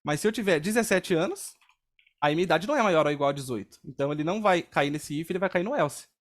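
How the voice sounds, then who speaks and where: A young man with a Brazilian Portuguese accent leads an online programming class. His voice sits high for a man. He talks casually and explains each step, often pausing to ask whether students are following. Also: lively intonation. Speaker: programming instructor. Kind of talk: live coding class.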